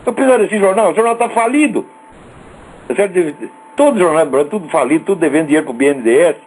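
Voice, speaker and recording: A man's voice: on the high side, expressive, fast talker, darkish tone, slightly rough, rough recording. A male radio host with a Brazilian accent, ranting in a scornful, profane and sarcastic monologue. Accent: Brazilian Portuguese.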